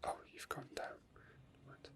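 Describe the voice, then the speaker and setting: Whispering man, ASMR game commentary. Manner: soft, rambling, unhurried thinking aloud. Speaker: ASMR gaming video host.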